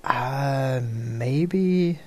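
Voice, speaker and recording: A man's voice: mid-range voice, drawn-out words. A man hosting a prank-call show in casual chat, rambling and joking and laughing often. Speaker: host.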